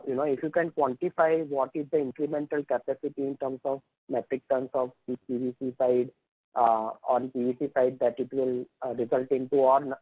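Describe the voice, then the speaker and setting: On a conference call by phone, an analyst with an Indian accent puts questions to management during an earnings call, polite, wordy, and hesitant. His voice is mid-range and slightly rough, heard over a dry, narrow, tinny phone line with no room sound.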